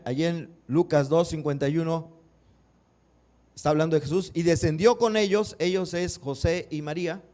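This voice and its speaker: A man's voice: sits high, a little mellow. A man pastor preaching a sermon in a church, asking the congregation rhetorical questions.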